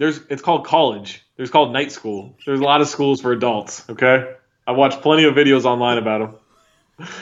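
A man's medium-pitched voice at a fairly quick pace, with big swings in loudness. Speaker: podcast host. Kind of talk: casual banter about football and movies. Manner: joking, animated.

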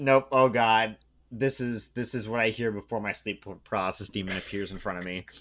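On a very clean recording with a silent background, a man of medium pitch speaks at a fairly quick pace. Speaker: podcast host. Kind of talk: casual chat. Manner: excitable.

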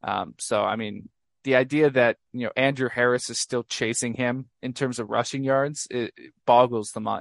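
Recorded dry and close with no echo against a quiet background, a man with a normal speaking voice and medium pitch speaks at a moderate pace with fairly even intonation and big swings in loudness. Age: 20s. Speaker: football writer. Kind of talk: casual chat.

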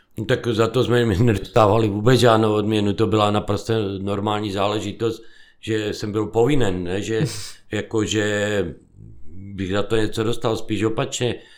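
This man's intonation stays monotone and flat as he talks at a moderate speed. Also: fairly low pitch for a man. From Slovakia (Levice), born in Moravia. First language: Slovak (speaking Czech). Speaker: former footballer and players' agent. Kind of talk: interview.

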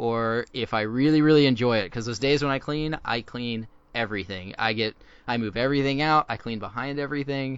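With an ordinary speaking voice and an American accent, a man moves at a fairly quick pace with ordinary pitch variation. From Houston suburbs, Texas. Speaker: podcast co-host, draftsman and woodworker. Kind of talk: casual chat.

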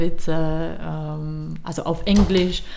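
A woman with a Czech accent and ordinary pitch variation, plus audible room echo and noticeable background noise. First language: Czech (speaking German). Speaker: podcast host, German teacher. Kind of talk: casual interview. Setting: studio, table microphone.

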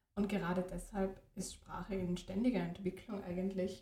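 A woman speaks at a moderate pace in a medium pitch, her tone dark and mellow and somewhat breathy. Her intonation is monotone and flat. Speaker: podcast co-host. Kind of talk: casual discussion.

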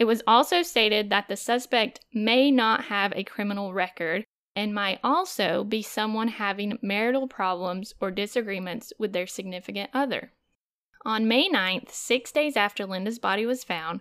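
In an American accent, a woman with a fairly high pitch and a plain, everyday voice talks at a moderate pace with ordinary pitch variation, on a very clean recording with a silent background. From North Carolina. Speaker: true crime podcast host. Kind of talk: true crime narration.

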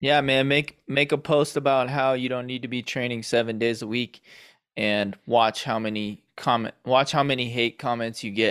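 Heard in a very clean recording with a silent background, a man with an ordinary speaking voice talks at a moderate pace and medium pitch, with fairly even intonation. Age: 30s. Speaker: fitness coach. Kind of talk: casual chat.

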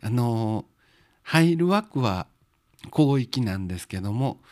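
A man's fairly low voice, fairly slow with lively intonation, on a very clean recording against a silent background. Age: 50s. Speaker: vintage clothing shop owner and animal rescue volunteer. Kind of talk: podcast interview.

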